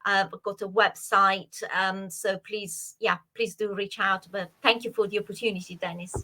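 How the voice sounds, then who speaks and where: A woman's voice: medium pitch, steady tone, moderate pace, sharp tone, low-quality recording. A woman from Italy, a psychologist and former dancer, answering interview questions hesitantly with many fillers and restarts. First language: Italian.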